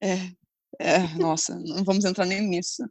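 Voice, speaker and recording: A woman from Brazil, co-hosting a casual chat podcast in a relaxed, conversational way. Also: on the low side, normal speed. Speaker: podcast co-host.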